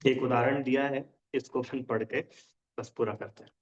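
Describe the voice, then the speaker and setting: A man's voice: mid-range voice, fairly even intonation, moderate pace. A man teaching a religion class in casual Hindi. He often checks whether his students understand and explains with everyday examples. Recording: dull lo-fi sound.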